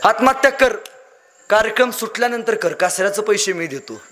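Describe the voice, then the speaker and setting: A young man delivers a fiery storytelling speech. His voice sits very high for a man and rings bright and forceful. He declaims and repeats his phrases for emphasis. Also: animated, fairly quick. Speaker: public speaker.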